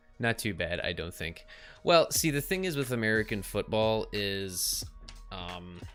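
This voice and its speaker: Music plays in the background. A man talks at a fairly slow pace. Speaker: gaming livestreamer. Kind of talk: live gameplay stream chat. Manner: casual, hesitant with fillers.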